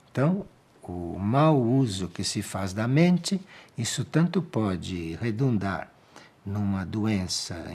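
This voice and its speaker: A man with a fairly low, breathy-edged voice and a Brazilian Portuguese accent delivers a calm talk on spiritual topics. Taking questions from listeners, he replies in measured fashion and repeats key phrases for emphasis.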